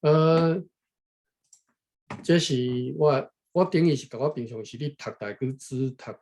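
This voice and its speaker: A man from Taiwan reading a history book aloud unscripted, thinking aloud, pausing to look up words and adding frequent tag particles. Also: medium pitch, darkish tone. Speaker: reader explaining a history book to viewers. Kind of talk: unscripted read-aloud with running commentary.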